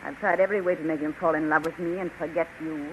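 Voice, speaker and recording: A woman's voice: low-pitched, fairly even intonation, quick pace, slight background noise, natural voice. A woman voicing a proud, scheming witch queen in a 1930s radio drama, speaking with haughty scorn. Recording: dull lo-fi 1930s radio recording.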